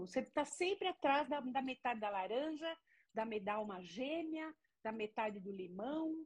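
Her high pitch taking very wide swings, a woman speaks at a moderate pace. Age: 60s. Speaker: psychologist and author. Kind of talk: live-streamed interview. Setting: Instagram live stream.

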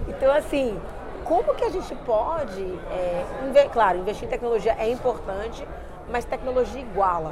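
With crowd noise behind her and audible room echo, a woman speaks in a high, animated voice with very wide pitch swings. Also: moderate pace. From Brazil, Salvador (Bahia). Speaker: sales consultant and speaker. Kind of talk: casual interview. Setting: at a trade show.

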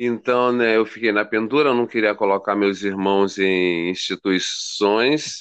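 Against a quiet background, a man speaks at a fairly slow pace. He has a plain, everyday voice. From Rio de Janeiro, Brazil (Ilha do Governador). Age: 60s. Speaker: actor and poet. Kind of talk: interview storytelling.

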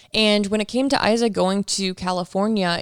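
A woman with an American accent and an unremarkable speaking voice, medium in pitch with ordinary pitch variation, at a moderate pace. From Michigan. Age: 20s. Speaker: podcast co-host. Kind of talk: casual chat.

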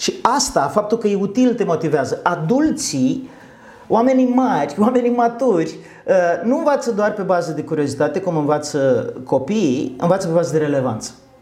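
A man's high-pitched voice with very wide pitch swings at a moderate pace, plus audible room echo and noticeable background noise. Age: 40s. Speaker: podcast host, time management trainer. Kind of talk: casual discussion.

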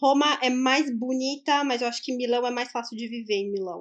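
With a normal speaking voice, a woman talks at a fairly slow pace, her pitch fairly high and her intonation fairly even. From Brazil, São Paulo city. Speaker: podcaster. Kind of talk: casual chat.

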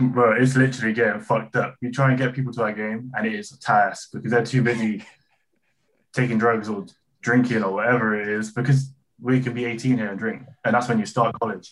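In a West Country accent, a man speaks at a very fast pace. His pitch is medium and his intonation fairly even. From West of England. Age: 20s. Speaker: podcast listener. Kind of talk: casual interview. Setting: video call.

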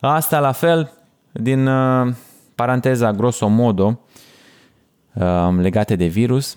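Speaking very slowly, a man lets his pitch rise and fall in a usual way. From Moldavia region, Romania. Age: 20s. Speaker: podcast host. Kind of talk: casual monologue.

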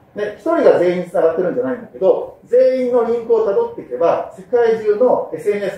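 A man talks with hardly any pauses and big swings in loudness. Noticeable background noise and audible room echo fill the recording. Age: 50s. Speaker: seminar speaker. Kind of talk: lecture. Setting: stage with audience.

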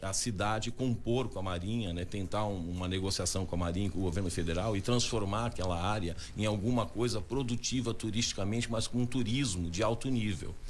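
A man uses an ordinary speaking voice, fairly low in pitch with ordinary pitch variation. He talks at a fairly quick pace with hardly any pauses. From Santos, Brazil. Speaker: political candidate. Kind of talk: campaign interview.

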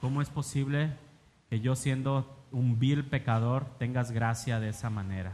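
A somewhat breathy man speaks at a very slow pace. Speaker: missionary preacher. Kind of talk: sermon.

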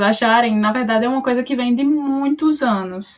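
The woman's voice is high. Its pitch variation is ordinary. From Brazil, interior of Ceará (Crato). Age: 20s. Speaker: international student. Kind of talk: casual interview chat.

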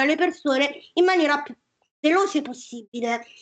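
A moderately paced woman's voice, high in pitch, with ordinary pitch variation. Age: 30s. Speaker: writer, activist and comedian. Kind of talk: live talk interview. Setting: live stream.

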